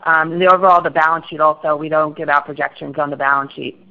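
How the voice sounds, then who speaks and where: A woman's voice: low voice, flat delivery, quick pace. A woman speaking as a finance executive, giving formal answers on an earnings call. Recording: dull lo-fi conference call.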